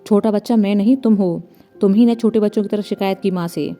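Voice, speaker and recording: A woman's voice: medium pitch, fairly quick, warm tone, soft background music, natural voice. A woman voicing a proud, quarrelsome young man in a storybook reading, with a stubborn, sulky manner. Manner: pleading then grumbling, stubborn. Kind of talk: storybook narration.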